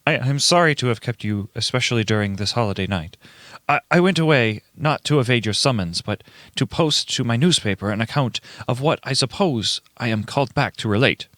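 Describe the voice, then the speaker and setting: Radio play role: nervous young city reporter performed by a man, earnest and apologetic, stammering, bright-edged, close dry sound. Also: medium pitch, lively intonation, a little fast, dry recording, lightly acted. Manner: stammering, repeats words. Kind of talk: amateur radio play reading.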